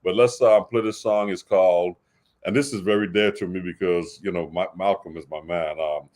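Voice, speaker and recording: Male host, deep register, loose conversational delivery with repeated phrases. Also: steady tone, moderate pace, a little mellow. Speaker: radio show host. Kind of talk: casual chat.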